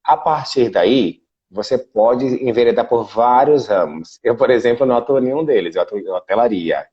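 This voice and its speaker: A man's voice: medium pitch, moderate pace, husky, highs cut off. A Brazilian man from Salvador, a guest in a casual video interview, explaining at length with frequent fillers. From Brazil (Salvador, Bahia). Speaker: guest, international relations specialist. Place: Portugal.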